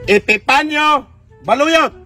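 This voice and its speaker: A man's voice: very high-pitched, takes it slowly, over music. A Filipino man with a Visayan accent playing a strict, mocking cadet training instructor in a comedy skit, bossy and teasing.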